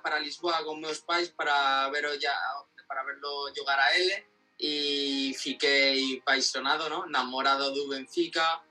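A man in his twenties from Spain with a Spanish accent, a native Spanish speaker giving casual, halting interview answers as he searches for words. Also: fairly high pitch, pushed and bright. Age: 20s. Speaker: interview guest, football fan. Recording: distant mic with faint music behind.

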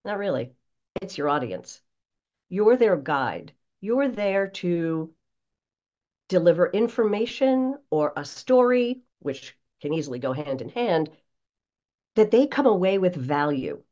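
A woman voice coach explains things in a conversational interview style. Her pitch sits a little low but swings in a very animated, emphatic way. The recording is slightly dull and lo-fi. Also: a little slow. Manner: expressive, emphatic, acts out examples. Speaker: voice coach, guest.

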